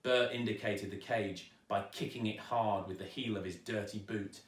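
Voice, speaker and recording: A man narrating a children's story aloud with dramatic, expressive delivery, recorded in a roomy space at some distance. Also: on the low side, moderate pace. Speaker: storyteller, actor reading aloud. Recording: roomy echo, distant microphone.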